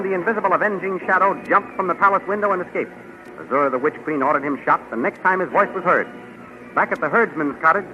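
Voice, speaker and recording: Man, radio announcer, fairly high, emphatic, lo-fi old recording. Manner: crisp, emphatic, declamatory. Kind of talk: 1930s radio narration.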